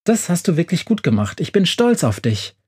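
A man voicing a kindly female witch in a children's audio story, speaking gently. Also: on the high side, very animated, normal speed, husky, pitched above the performer's own voice, exaggerated voice. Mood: proud.

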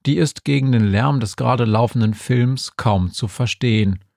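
A man's voice: medium pitch, normal speed, gravelly, a little mellow, no room sound. A man reading an audiobook in a dry, matter-of-fact storytelling manner. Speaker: narrator. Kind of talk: audiobook narration.

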